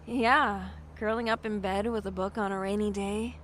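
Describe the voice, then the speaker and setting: A woman's voice: mid-range voice, fairly even intonation, normal speed, a bit bright, slight background noise, close to an everyday voice. An actress playing a friendly, easygoing young bookish woman in a naturalistic audio drama, speaking casually. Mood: friendly, polite. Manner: casual, conversational.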